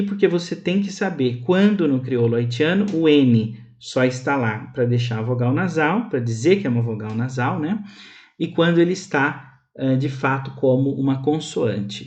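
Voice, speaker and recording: A man's voice: mid-range voice, darkish tone. A man from Brazil teaching a university lecture, explaining patiently and checking in with his listeners. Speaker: instructor. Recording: slightly dull lo-fi audio.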